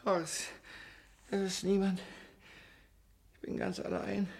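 A man's voice: high voice, monotone, slow pace, vocal fry, darkish tone, full character voice. An actor playing a miserly old father who stammers, blusters and cries out in despair, in classic stage-style radio drama. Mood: frantic. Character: miserly old father, greedy, frantic and suspicious.

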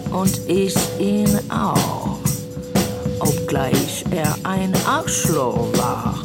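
Slow, swooping manic drummer over loud music. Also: female voice, lowish voice, animated. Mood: manic, adoring. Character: manic woman drummer who loved a rock star. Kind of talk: German radio play monologue over music. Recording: voice under loud drum music.

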